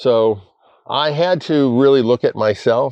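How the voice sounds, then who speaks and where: A man is speaking. He has an American accent. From US South, Louisiana. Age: 60s. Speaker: solo ocean racing sailor. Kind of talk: boat tour interview. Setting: on board a yacht in harbour. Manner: halting, many fillers.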